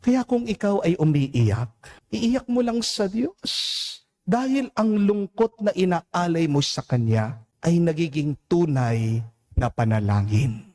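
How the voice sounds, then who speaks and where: Slow, lively-voiced Filipino priest preaching. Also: male voice, fairly high pitch. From Philippines. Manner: slow, deliberate preaching with emphatic rises and drawn-out English phrases; addresses listeners as "mga kapatid" and asks "Amen?". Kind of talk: homily.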